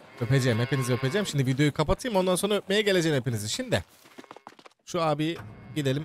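A man at a very fast pace, fairly high in pitch, with noticeable background noise. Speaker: gaming YouTuber. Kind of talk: gameplay commentary. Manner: animated.

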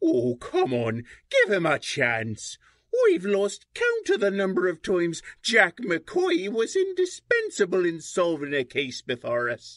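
A man performs a put-on character voice. His pitch is high, and he speaks at a fairly slow pace. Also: dry, close sound with no echo. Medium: audio drama.

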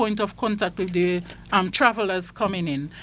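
Her tone is bright and sharp. Light background noise sits behind this woman. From Dominica. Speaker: public health official. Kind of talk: radio interview. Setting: studio. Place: studio. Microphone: studio mic.

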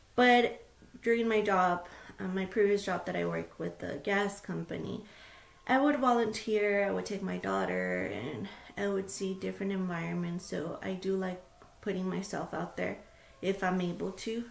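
Woman with an American accent at a moderate pace, with audible room echo. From El Paso, Texas. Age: 20s. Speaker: community college student. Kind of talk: class introduction speech. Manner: hesitant, many fillers. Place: home room. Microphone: webcam.

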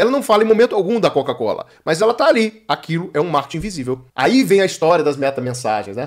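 A man in a Brazilian accent, high-pitched and animated, very fast, with very wide pitch swings against a quiet background. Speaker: digital marketing YouTuber. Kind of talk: tutorial.

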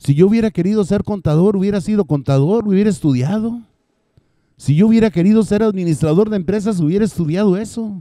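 Very fast and high for a man, his dark, mellow voice comes through dry, with no echo, over a quiet background. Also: ordinary pitch variation. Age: 60s. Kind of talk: sermon. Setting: church. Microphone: handheld.

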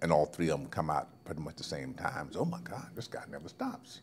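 A man's very deep, low voice with vocal fry. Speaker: film actor and narrator. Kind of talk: interview answer. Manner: relaxed, unhurried. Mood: easygoing, reflective. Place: home room. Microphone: lapel.

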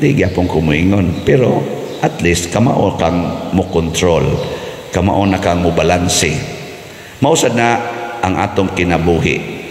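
Speaking with a Cebuano accent, a man uses a very deep, low voice with ordinary pitch variation at a fairly slow pace, amid light background noise and audible room echo. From Cebu, Philippines. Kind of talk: homily with jokes. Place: church. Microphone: podium.

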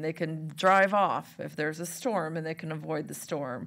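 An unremarkable speaking voice from a woman, with fairly even intonation over a quiet background. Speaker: county commissioner. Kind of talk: public meeting discussion. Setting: council chamber. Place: hall. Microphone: podium.

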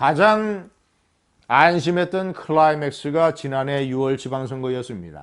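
Talking at a fairly slow pace, a man with a fairly high pitch, ordinary pitch variation, and a plain, everyday voice. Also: quiet background. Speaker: political commentator. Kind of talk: political commentary monologue. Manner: formal.

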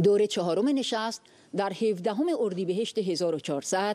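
In a plain, everyday voice, the speaker talks with ordinary pitch variation. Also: woman. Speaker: narrator reading statement. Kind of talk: reading aloud. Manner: formal.

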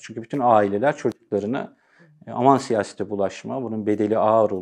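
Against a quiet background, a man talks at a fairly quick pace with lively intonation. His tone is dark and mellow. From Turkey, Thrace (Edirne); Turkey. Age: 40s. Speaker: investigative journalist. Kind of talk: oral history interview. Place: studio. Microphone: lapel.

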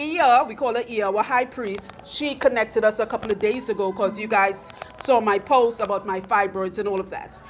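Music plays in the background as a woman speaks at a moderate pace. Her intonation is lively. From Trinidad. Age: 40s. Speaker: YouTuber, holistic wellness vlogger. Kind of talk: vlog. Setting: handheld microphone. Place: shop.

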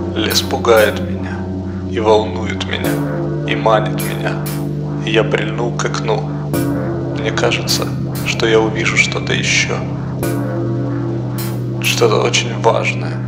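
A man at a very slow pace, with long, frequent pauses, over loud music in the background. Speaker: story narrator. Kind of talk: dramatic story reading.

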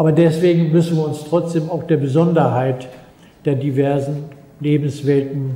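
A man speaks at a fairly slow pace with fairly even intonation, long and frequent pauses, and audible room echo. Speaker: event moderator. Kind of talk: formal welcome and moderation. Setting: stage with audience. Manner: formal. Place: hall. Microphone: handheld.

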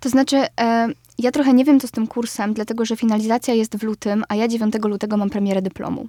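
A woman at a very fast pace, with fairly even intonation and a dry, close sound with no echo. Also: fairly high pitch for a woman. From southeastern Poland (Podkarpacie). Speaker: acting student and playwright. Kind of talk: interview.

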